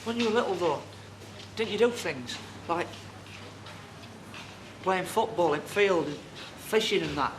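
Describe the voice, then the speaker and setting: A man's voice: high-pitched, lively intonation, unhurried, pauses often, background noise. An actor playing a hopeful, earnest son who speaks pleadingly to his father. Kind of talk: TV soap drama acting.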